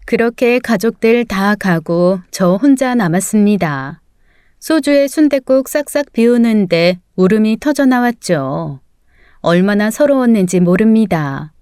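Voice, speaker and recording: Woman storyteller, first-person, plainspoken; bright clear tone, dry close mic. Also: medium pitch, lively intonation, unhurried, dry recording. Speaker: story narrator.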